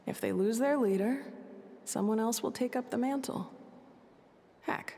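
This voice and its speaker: A woman playing a wise, tender and resolute tribal leader in a video game, gentle and reflective yet firm. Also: fairly high pitch, measured pace. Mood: resolute, reassuring. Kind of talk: dramatic video game acting. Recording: long hall-like reverb.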